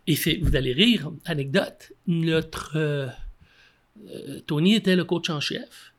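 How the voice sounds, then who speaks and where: A Québécois man tells old football coaching stories in a casual interview, his voice sitting a little high. He is animated, piling on fillers and restarts as he goes. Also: slow. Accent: Québécois French. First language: French.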